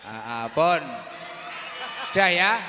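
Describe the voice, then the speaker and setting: Male preacher working the crowd on a handheld mic, high bright voice, long hall reverb. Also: sing-song, slow. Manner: chatty, teasing, questions people in the crowd. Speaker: preacher leading a religious gathering. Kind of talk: lively crowd interaction and sholawat chanting. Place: large venue with a congregation. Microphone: handheld microphone. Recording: echoey hall with faint noise.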